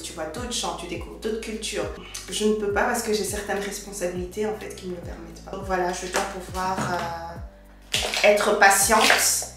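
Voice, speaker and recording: A young woman chatting casually to her viewers while doing her makeup, slangy and direct. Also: mid-range voice. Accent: French with English loanwords. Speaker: beauty vlogger. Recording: echoey room from a distant mic.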